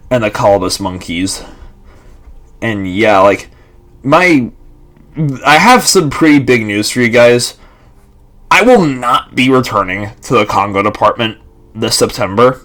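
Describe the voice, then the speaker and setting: A man's voice: on the low side, fairly bright tone. Young man rambling with lots of fillers. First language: Lithuanian and English bilingual. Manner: rambling, many fillers and restarts. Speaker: vlogger. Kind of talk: casual rambling monologue.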